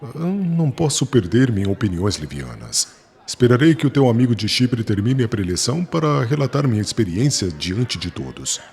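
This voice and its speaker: An actor playing a fervent, unwavering young Jewish convert in an audiobook drama, speaking in a solemn, declamatory manner. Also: male voice, mid-range voice, sing-song, normal speed, a little mellow, husky. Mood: fervent resolve.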